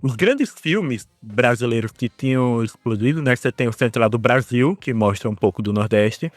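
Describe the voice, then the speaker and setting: A man with a Northeastern Brazilian accent, co-hosting a podcast in a relaxed, chatty way and swearing casually. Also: medium pitch, normal speed, no echo. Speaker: podcast co-host.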